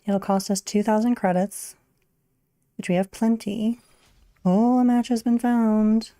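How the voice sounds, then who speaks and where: A young woman streamer talks through her game in a wry, musing, half-to-herself way. Her voice is soft and mellow with a gravelly, fry-tinged edge. The sound is close and dry, with no room around it. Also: on the high side, flat delivery, a little slow, dry recording. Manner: wry, musing aloud while playing. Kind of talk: casual gameplay commentary.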